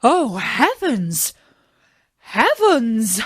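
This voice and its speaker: A woman's voice: on the high side, sing-song, drawn-out words, husky, dry recording, studio quality, heavily acted. A woman voicing curious, easily astonished little dwarf men in a storybook fairy tale, with emphatic questioning and exclaiming.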